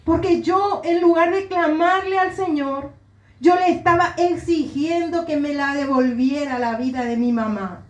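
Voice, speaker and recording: A woman's voice: high voice, fairly even intonation, a little slow. A middle-aged woman pastor with an Argentine Spanish accent, giving an earnest, emotional sermon testimony. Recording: roomy echo.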